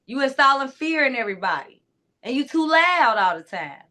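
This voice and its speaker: This clarity coach is very animated, her naturally high, loud voice moving at a moderate pace. She speaks right to her audience in an informal, emphatic pep talk that keeps veering into asides.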